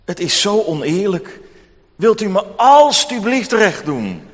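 Guy doing a high begging widow lady, loud, slow and desperate, hall echo. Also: sing-song, husky, full character voice. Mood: pleading. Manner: pleading, rising to shouting. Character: desperate pleading poor widow woman. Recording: long hall reverb.

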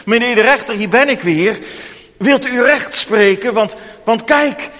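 A man voicing a desperate, pleading poor widow in a told story, his voice pushed high and insistent. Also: measured pace. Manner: pleading, rising to shouting. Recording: long hall reverb.

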